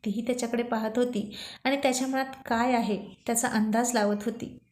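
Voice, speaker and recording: A woman storyteller reading a serialized romance aloud with steady, expressive narration. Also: fairly high pitch, a little fast.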